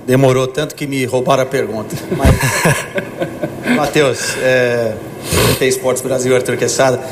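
A man's voice: medium pitch, steady tone, unhurried, noisy background. A male sports journalist asking a question in an informal, joking way. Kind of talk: press conference question.

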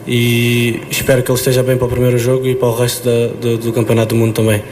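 Young male footballer, monotone, halting answers; slight ambient noise. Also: medium pitch. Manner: hesitant, frequent restarts and fillers. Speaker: footballer at a press conference. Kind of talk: press conference answers.

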